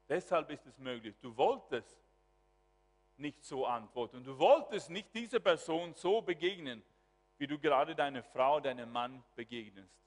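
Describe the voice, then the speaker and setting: A man preaching a sermon as pastor, swinging from quiet asides to loud exclamations. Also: fairly high pitch. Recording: long hall reverb.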